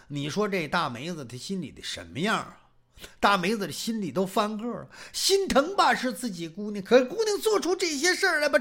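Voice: medium pitch, fairly bright tone. A traditional storyteller, performing animatedly and asking the listeners rhetorical questions.

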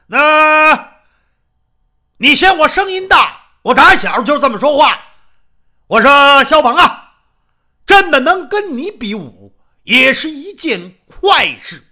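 A storyteller voicing a burly, boastful mountain guardian with a loud, hollow, booming voice who declaims and blusters. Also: big pitch swings, slow, pauses often, heavily acted. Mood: declaiming. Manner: blustering, declaiming, laughs heartily.

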